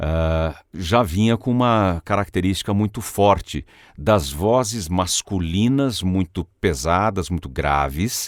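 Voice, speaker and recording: A man's very deep, low voice at a very slow pace with lively intonation and hardly any pauses, on a very clean, dry, close recording with no echo and a silent background. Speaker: veteran advertising and news voice-over announcer. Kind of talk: interview answer.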